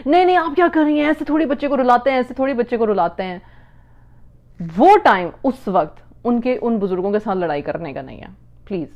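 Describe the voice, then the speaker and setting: A woman's voice: medium pitch, lo-fi sound. A woman hosting a casual live-stream parenting talk, earnest and rambling as she lectures.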